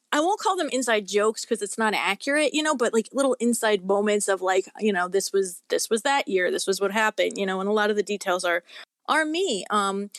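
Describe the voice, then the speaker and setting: A woman's voice: mid-range voice, fairly bright tone, dry recording, clean studio sound. An American woman chatting as an interview guest, earnest and informal, with a rambling delivery. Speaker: interview guest, horror author. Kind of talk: casual conversational interview.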